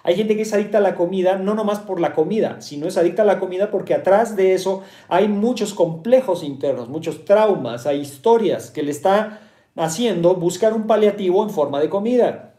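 A man's voice: sits high, a little fast, dark tone, reverberant. A man with a Mexican Spanish accent, a meditation teacher explaining ideas to listeners, often asking rhetorical questions, checking in with "¿sí?", and repeating key points.

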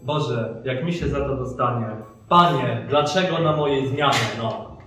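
A man's voice: medium pitch, unhurried, over music, lightly acted. A young man playing a flustered guardian angel in a school nativity play, fretting in rhymed verse. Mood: fretful. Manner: anxious, fretful rhymed verse. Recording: echoey hall from far off, faint noise.

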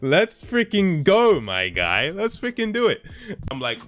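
A man reacting excitedly on a live stream, laughing often and swearing. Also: a little high, measured pace, faint music behind.

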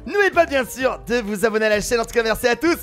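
A man giving excitable gaming commentary, exclaiming, laughing and shouting as he plays. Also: very high-pitched, fast talker, faint music behind. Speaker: gaming YouTuber.

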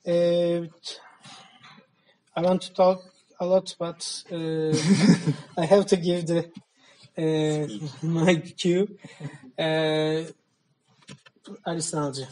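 Slow, halting moderator with a mellow voice. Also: male voice, a little high, little pitch movement, rough recording. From Turkey. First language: Armenian. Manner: slow, halting speech with many fillers and shy laughs. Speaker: moderator introducing speakers. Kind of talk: event introduction. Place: meeting hall.

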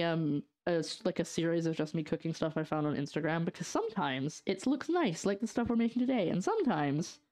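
A young woman with a low, darkish voice live-streams from her home kitchen while cooking, chatting jokily and making sarcastic remarks to chat. She comes from northeast Scotland, speaks with a light, partly English-sounding Scottish accent, and has a slight lisp from a brace.

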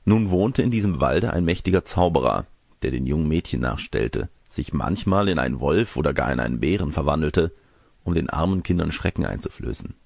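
A male audiobook narrator reads a fairy tale in a very low, gravelly voice. His intonation is animated, and the recording is dry and close. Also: fairly quick, dry recording.

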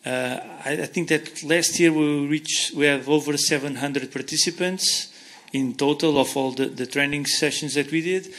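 A man's voice: on the high side, steady tone, moderate pace, fairly bright tone. Brief: thirties Portuguese-accented man, conference Q&A, handheld mic, earnest, gestures while explaining. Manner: earnest, explains with hand gestures, frequent restarts. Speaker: invited speaker answering audience questions. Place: conference hall stage, seated in armchair.

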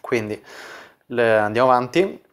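A man's voice: medium pitch, lively intonation, normal speed. A man working as a dating coach, casually explaining chat screenshots and leaning on filler words as he talks. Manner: casual, full of "quindi" fillers.

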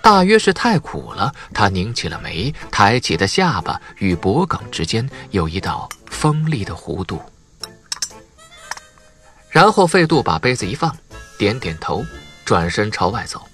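A man's voice: lowish voice, sing-song, unhurried, fairly bright tone, soft background music. A man reading a novel aloud as an audiobook narrator, in a scripted, dramatic storytelling style.

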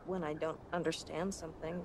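A woman's voice: sits low, little pitch movement, brisk, over a noisy crowd. A woman playing an earnest, inquisitive young drifter in a video game. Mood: insistent. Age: young adult. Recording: loud noise over game playback.

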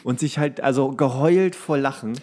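A man's voice: mid-range voice, moderate pace, a little mellow. Chatty man, casual podcast co-host. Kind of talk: casual chat, anecdotes and questions.

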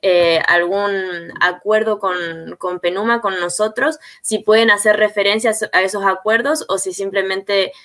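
Young woman host on a video call, friendly, reading out audience questions, mid pitch. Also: fairly even intonation, normal speed, few pauses, a bit bright. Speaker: moderator. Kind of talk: webinar moderation. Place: home room with bookshelves, indoors.

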